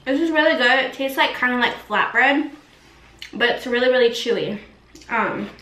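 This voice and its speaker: Bright-voiced young woman, echoey room. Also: a little high, far from the mic. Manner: chatty, many ums and likes, talks while eating. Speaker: vlogger. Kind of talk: casual mukbang eating vlog.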